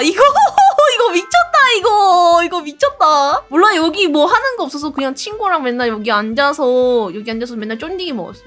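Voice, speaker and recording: A young woman streamer chatting casually and telling animated childhood stories with lots of laughter. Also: sits high. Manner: animated storytelling with frequent laughs and acted-out shouts. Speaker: streamer reacting to videos and reading chat.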